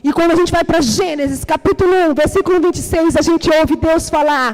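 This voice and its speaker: A woman with a Brazilian Portuguese accent preaching a sermon at a church service, emphatic and repetitive, rising to shouts. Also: extremely high pitch, a little fast.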